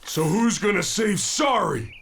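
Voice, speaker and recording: A mouthy young cartoon robot with a very high, gravelly voice that jumps all over. He whines and snipes, with music running behind. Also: expressive, fairly bright tone, exaggerated voice. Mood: worried. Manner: whiny, quick-tempered wisecracks. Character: young male robot, brash, jumpy and mouthy.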